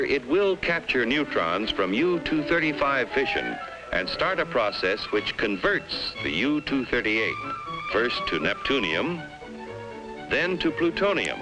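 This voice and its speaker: An American man narrating a scripted 1950s educational film in an emphatic, dramatic manner with deliberate pauses. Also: medium pitch, rough recording.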